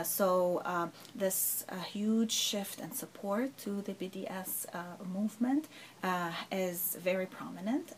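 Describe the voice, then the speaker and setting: A woman's voice: fairly low pitch, slight background noise, rough recording. A middle-aged woman professor from Lebanon, answering interview questions thoughtfully with frequent fillers and rhetorical asides. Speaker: professor, guest.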